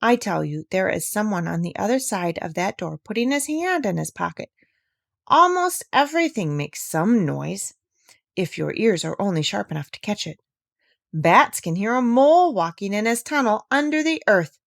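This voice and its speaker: A woman's voice: mid-range voice, very animated, normal speed, vocal fry, no room sound, clean studio sound. A woman voicing a proud, self-assured owl in a storybook, speaking with insistence and precision. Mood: insistent, proud. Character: self-assured owl, keen listener, proud of sharp ears.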